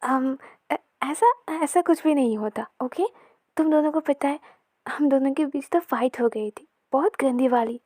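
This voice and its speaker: A woman's voice: sits high, measured pace, mellow, no room sound. A flustered young woman brushes off teasing, defensive and a little stumbling, as a storyteller puts her on. Her voice rises, and the sound is close and dry.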